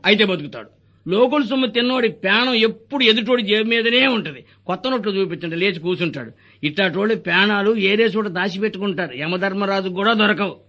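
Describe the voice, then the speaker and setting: A man performing a comic hospital sketch, bossy and mocking in rapid back-and-forth banter. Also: high voice, sharp tone. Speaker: comic actor playing a corrupt hospital doctor.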